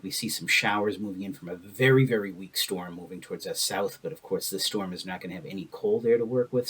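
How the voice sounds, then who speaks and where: Man reading a local weather forecast, quick delivery, husky low voice. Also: poor audio.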